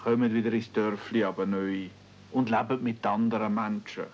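An actor playing an earnest, pleading village pastor in a radio play, with a Swiss German accent. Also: male voice, fairly low pitch, fairly even intonation, moderate pace, darkish tone, natural voice. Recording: dull 1970s radio-play recording.

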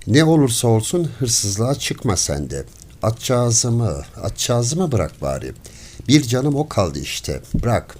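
A man voicing a poor peasant man who pleads desperately and then rages and shouts, in an audiobook story. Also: medium pitch, very animated, takes it slowly, a little hiss or hum. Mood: pleading. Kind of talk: audiobook character voice.

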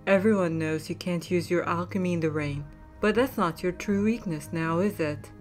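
Woman playing a low, taunting female villain. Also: darkish tone, faint music behind, lightly acted. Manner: mocking, deliberate. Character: taunting female kidnapper in late twenties, smug, menacing. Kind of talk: fan audio drama acting.

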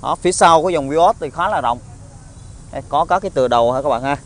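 A man with a southern Vietnamese accent giving an informal used car salesman's walkaround pitch, halting often with hesitations and tag words. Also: fairly bright tone. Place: outdoor car lot, partly inside a car. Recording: outdoor phone recording with traffic ambience.

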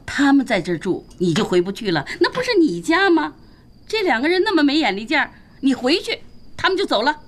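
A woman's voice: high voice, very animated, a little fast, a little hiss or hum. A nagging, scolding mother. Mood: insistent. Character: bossy, scolding middle-aged mother, quick-tempered. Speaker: mother and grandmother. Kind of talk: TV drama acting.

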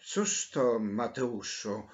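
A man's voice: fairly low pitch, sing-song, slow pace, lo-fi sound, exaggerated voice. A man doing a stern older spinster. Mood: indignant. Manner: sharp, scolding, exclaiming.

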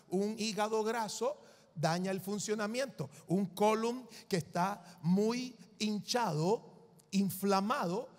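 A man's voice: high voice, big-room sound. A male preacher delivering an emphatic sermon, repeating his points for the congregation.

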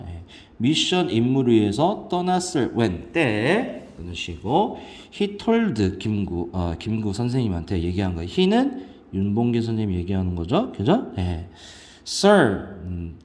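Man, English teacher, lowish voice that swings up and down, quizzes students. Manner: lively, asks students questions and answers himself; sudden jumps in pitch on English words. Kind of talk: explaining a textbook passage.

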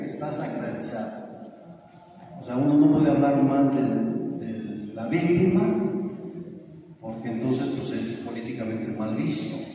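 A man's voice: on the high side, mellow. A middle-aged man with a Mexican accent giving an emphatic, argumentative talk at a conference, posing questions and answering them himself. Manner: emphatic, deliberate, poses and answers own questions. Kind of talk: extemporaneous public lecture, argumentative. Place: large brick-walled meeting hall with PA speaker. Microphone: handheld PA microphone, recorded from a far camera. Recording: very echoey hall, distant camera, faint noise.

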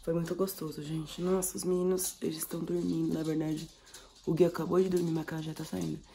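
A woman's voice: low-pitched, flat delivery, quick pace, warm tone, a little hiss or hum. A woman in her thirties with a Brazilian Portuguese accent, chatting affectionately and exclaiming through a casual family vlog. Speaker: family vlogger and mother.

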